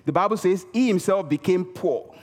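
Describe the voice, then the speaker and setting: At a moderate pace and with a voice that sits high, a man preaches a sermon in a church hall, captured with heavy reverb. He is emphatic and repetitive, leaning on key words and calling out for the congregation's response.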